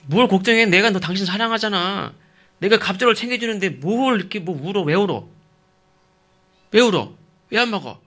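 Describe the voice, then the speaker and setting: An exasperated, self-centered husband, put on by a preacher fires off short, nagging questions in a raised, pinched voice. His delivery is bright and pushy, and he keeps repeating himself. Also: on the high side, fast.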